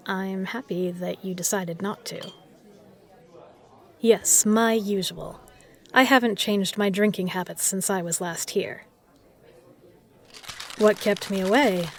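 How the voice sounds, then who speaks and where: A woman's voice: medium pitch, lightly acted. Woman playing a poised, particular bar regular. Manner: measured, formal phrasing, self-assured. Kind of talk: scripted audio roleplay addressed to the listener.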